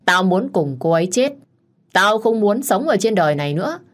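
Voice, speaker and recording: A woman voicing a crazed, violent young man with a knife, shouting menacingly. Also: mid-range voice, sing-song, moderate pace, pitched above the performer's own voice, natural voice. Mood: furious.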